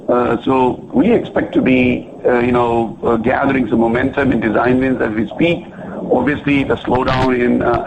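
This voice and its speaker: Confident male executive on a conference call, mid pitch, clearly noisy telephone audio. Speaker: company executive on earnings call. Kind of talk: answering analyst questions on a conference call. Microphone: telephone conference line. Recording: noisy, band-limited phone line.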